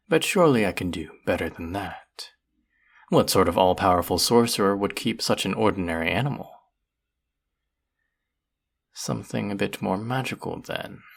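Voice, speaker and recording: Cruel sorcerer played by a man, low gravelly voice, sadistic, theatrical, menacing, fantasy roleplay. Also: heavily acted. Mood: condescending, pleased. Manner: theatrical, menacing, drawling with drawn-out words. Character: cruel, powerful evil sorcerer, vain and sadistic. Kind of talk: fantasy audio roleplay, addressing the listener.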